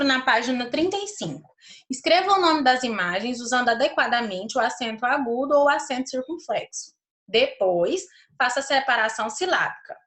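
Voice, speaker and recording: A woman teacher, giving a recorded grammar lesson to schoolchildren. She reads example sentences slowly and deliberately, stopping often to ask "certo?". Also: sits high, a bit bright. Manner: checks understanding with "certo?".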